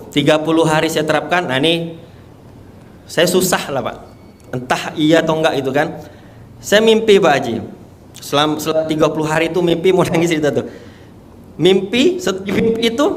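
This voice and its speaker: A man's voice: a little high, expressive, fairly quick, pauses often, slight background noise. A young man, telling his testimony with emotion and emphasis, laughing often as he talks. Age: young adult. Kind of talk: animated testimony before a live audience.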